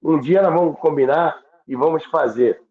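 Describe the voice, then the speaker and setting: High-voiced Brazilian man, phone-like sound. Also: moderate pace. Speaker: radio history commentator. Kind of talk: conversational storytelling. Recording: thin phone-like sound, roomy echo.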